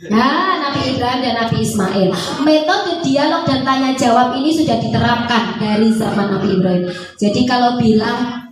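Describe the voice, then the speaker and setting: A woman with an East Javanese accent giving a lively parenting talk, acting out little dialogues in quick voices. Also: a little high, faint music behind. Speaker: parenting speaker. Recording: echoey hall from far off, faint ambience.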